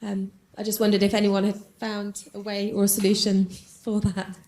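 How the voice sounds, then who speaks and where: A woman in the audience asking a question hesitantly, pausing with many fillers. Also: mid-range voice, completely flat delivery, a little mellow.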